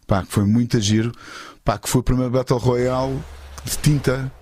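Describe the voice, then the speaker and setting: A man's voice: medium pitch, moderate pace, a little hiss or hum. A middle-aged man, telling anecdotes as a guest in casual, slangy chat and acting out the dialogue. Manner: slangy, animated storyteller who acts out dialogue. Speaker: guest, voice actor.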